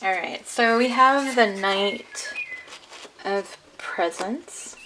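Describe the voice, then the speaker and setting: A woman's voice: medium pitch, drawn-out words. Woman reading tarot for her viewers, chatty and upbeat, voice kinda worn out, bit of faint hiss behind. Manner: chatty, encouraging, laughs often. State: losing her voice. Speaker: tarot reader. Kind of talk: casual tarot card reading to camera.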